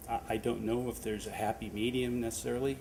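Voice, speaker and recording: Against noticeable background noise, a man with an American accent talks at a fairly quick pace and medium pitch, his intonation fairly even. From US Pacific Northwest, Snohomish County, Washington. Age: 60s. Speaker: city council candidate. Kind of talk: interview.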